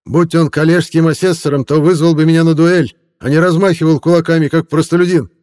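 A man's voice: a little high, fairly even intonation, brisk, a little mellow, voice pushed up, close to an everyday voice. A man voicing a tipsy, insolent newspaper reporter who slurs and mocks in old-fashioned phrases. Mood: mocking. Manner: slurring, mocking, pompous old-fashioned phrasing. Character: drunken, insolent young male newspaper reporter.

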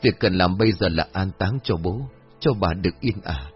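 A man's voice: deep voice, moderate pace, faint music behind, natural voice. A man voicing a restrained grieving young son. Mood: gentle. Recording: dull lo-fi recording.

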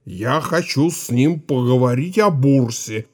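An actor playing a drunk, curious young Cossack who insists on learning, in a radio play. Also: male voice, medium pitch, a little slow, close to an everyday voice. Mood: tipsy insistent. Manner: insistent, tipsy pleading.

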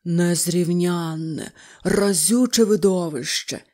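A woman's voice: lowish voice, dark tone. A woman doing a dreamy, besotted toad. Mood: dreamy rapture. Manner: slow, dreamy, sing-song mumbling.

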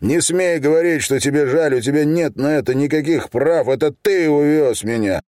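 A man voicing an enraged, grieving teenage boy who shouts through tears in an audiobook. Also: lowish voice, slow pace, no echo, clean studio sound. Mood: furious.

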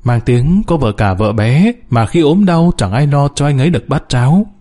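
A man's voice: mid-range voice, lively intonation, normal speed, dark tone, natural voice. A man voicing a humble, tearful mother in a story, speaking deferentially. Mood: tearful, guilty. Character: tearful, humble, guilt-ridden mother introducing her children.

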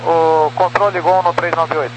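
A man's voice: fairly high pitch, little pitch movement, moderate pace. A Brazilian man, a pilot talking to air traffic control over aviation radio. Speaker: airline pilot. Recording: very noisy cockpit radio transmission.

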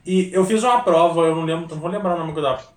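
A young Brazilian man co-hosting a podcast, rattling along at high speed in a slightly high voice. He rambles, restarts and swears freely in casual chat. He sits back from the mic in a room with a lot of echo. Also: very fast, far from the mic, a little hiss or hum. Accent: Brazilian Portuguese. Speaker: podcast co-host. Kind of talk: casual chat over a video call.

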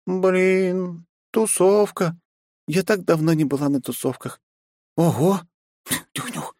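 A man voicing a bubbly, pushy young woman in an audiobook, speaking high and gushing. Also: slow pace, darkish tone, no echo, clean studio sound. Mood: bubbly bossy.

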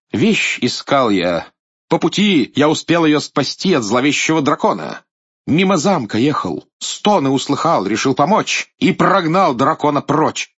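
Man playing a gallant white knight, pitched up. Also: breathy edge, dull audio, full character voice. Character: gallant boastful white knight, earnest rescuer.

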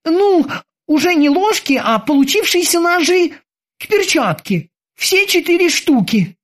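A woman voicing a timid, eager male bosun who reports in a stiffly formal, drawn-out way. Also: very high-pitched, big pitch swings, pitched above the performer's own voice, exaggerated voice. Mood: eager telling.

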